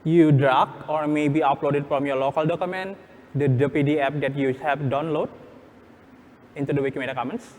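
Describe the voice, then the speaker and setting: Male workshop instructor, fairly high voice, non-native phrasing, step-by-step and halting, with some room noise behind. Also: fairly even intonation, a little mellow. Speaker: workshop presenter. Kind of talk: live hands-on tutorial, step-by-step instructions. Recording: echoey hall, background room noise.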